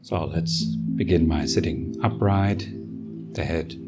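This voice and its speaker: Deep-voiced man guiding a slow meditation. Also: over loud music. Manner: calm, unhurried, with long pauses. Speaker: meditation teacher and podcast host. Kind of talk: guided meditation, slow and soothing.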